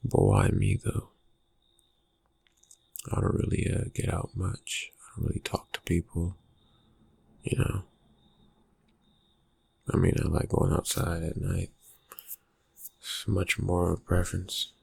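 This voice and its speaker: A man acts out a reclusive vampire friend for an ASMR roleplay. His low voice is thick with fry and very husky, almost all breath. He speaks slowly and haltingly, dry and suspicious, with quiet menace under the soft murmur. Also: flat delivery, exaggerated voice. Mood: guarded, suspicious. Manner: hesitant, halting, laconic, dryly suspicious. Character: reclusive, slyly menacing male vampire friend who prowls at night. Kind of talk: ASMR roleplay, soft-spoken character talk.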